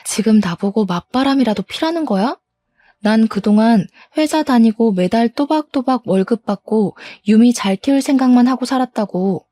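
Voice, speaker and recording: Woman, fed-up wife, reproachful, slightly high and mellow. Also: moderate pace, no echo. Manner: indignant, reproachful. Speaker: wronged wife in a story. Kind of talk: scripted drama narration.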